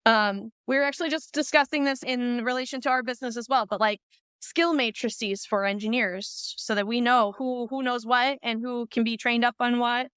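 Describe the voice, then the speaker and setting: Podcast host lady, high pitched and crisp, talks thru ideas w asides, dry mic. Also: normal speed, no echo. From Iceland. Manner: chatty, lively, talks through ideas with asides. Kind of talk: casual conversation.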